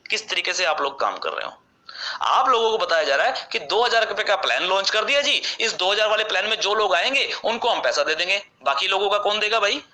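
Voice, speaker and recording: Guy going off in a recorded statement, fired up, lots of rhetorical questions, highish voice. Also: animated, fast, bright, forceful tone, rough recording. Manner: impassioned, rhetorical questions, repeats himself. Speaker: company director addressing members.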